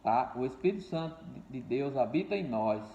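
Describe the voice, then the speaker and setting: Older pastor preaching in an echoey room. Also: male voice, mid-range voice, expressive, normal speed, warm tone. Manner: repeats key words, addresses listeners as dear ones and brothers. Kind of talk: sermon. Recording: echoey room, dull lo-fi sound.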